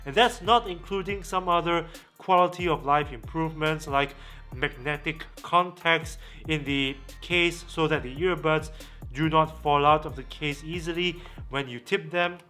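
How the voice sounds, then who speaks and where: Man, tech review host, higher-pitched voice, bright forceful tone, deliberate pauses, music behind. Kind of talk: product review to camera.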